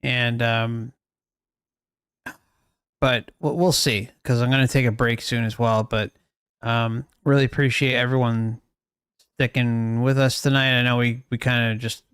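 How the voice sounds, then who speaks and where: Man, livestream host, slow pace, smooth clear voice, dry sound, earnest, questioning, unscripted. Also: mid-range voice, little pitch movement, fairly bright tone, no echo. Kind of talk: casual unscripted commentary.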